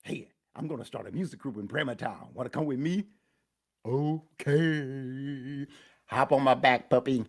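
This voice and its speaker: A man's voice: medium pitch, measured pace. A man voicing an easygoing old donkey with a laid-back, slangy manner. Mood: friendly.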